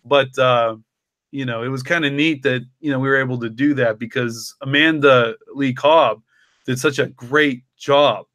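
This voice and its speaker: A man's voice: mid-range voice, steady tone, moderate pace, fairly bright tone, dry recording. Man rambling thoughtfully in a casual podcast chat, lots of filler words, very dry close sound. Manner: rambling, frequent "like" and "you know". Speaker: podcast co-creator and story author. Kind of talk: casual reflective conversation.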